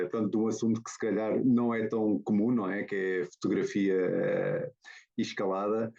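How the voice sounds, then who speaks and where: A lowish, dark-toned man speaking with a European Portuguese accent. He talks his way through a slide presentation, stopping and restarting often as he goes. The sound is dull and lo-fi, like a video call. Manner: hesitant, many fillers and restarts. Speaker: guest photographer.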